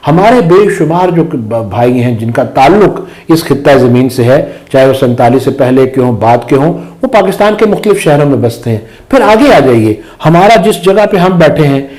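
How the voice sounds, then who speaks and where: Pahari-speaking male commentator, pitched a bit high, emphatic and argumentative. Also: sing-song, normal speed, few pauses, darkish tone. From Azad Kashmir. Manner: emphatic, rhetorical questions. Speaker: guest commentator. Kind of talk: political discussion.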